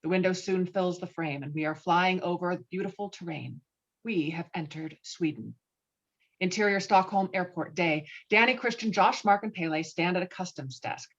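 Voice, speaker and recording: A woman's voice: lowish voice, normal speed. A woman narrating stage directions from a film script at a virtual table read. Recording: dull, lo-fi video-call audio.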